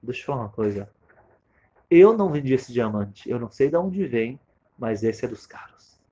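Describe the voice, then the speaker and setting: A precise older jeweler insists on his point with emphasis, as a man telling a sermon story voices him. The voice is husky, and the recording is muffled. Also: mid-range voice, big pitch swings, moderate pace, mellow. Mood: explaining.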